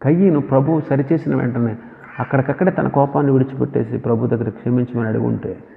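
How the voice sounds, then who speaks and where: A man with a deeply gravelly voice preaches a sermon, pressing his questions on the listeners. His words ring with long reverb as though in a big hall. The sound is thin and narrow, much like a phone line. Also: fast. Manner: emphatic, asks the listeners questions.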